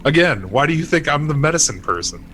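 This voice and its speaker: A man's voice: a little high, animated, fast, a bit bright. A man playing a tabletop role-playing game, casual in his banter, grumbling and questioning.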